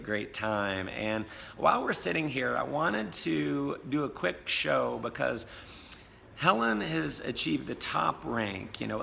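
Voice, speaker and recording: Hoarse american guy, super gravelly and bright, echoey hotel lobby, upbeat chatty host. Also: medium pitch. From United States. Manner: enthusiastic, upbeat, many fillers. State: hoarse, has lost his voice. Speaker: host and network marketing coach. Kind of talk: casual video blog interview. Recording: reverberant space with faint noise.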